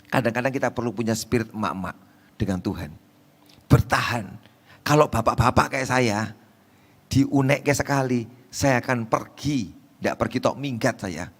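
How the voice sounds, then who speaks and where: A male pastor with a Javanese accent preaching a sermon, switching between loud cries and quiet asides and acting out voices. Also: mid-range voice, normal speed. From Indonesia. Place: church hall. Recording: echoey church hall.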